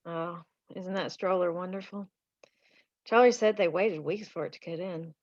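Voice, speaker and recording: A woman's voice: on the low side, fairly even intonation, moderate pace, darkish tone, no room sound, highs cut off, lightly acted. A woman playing a folksy, chatty married townswoman from a mining town in a screenplay table read. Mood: friendly.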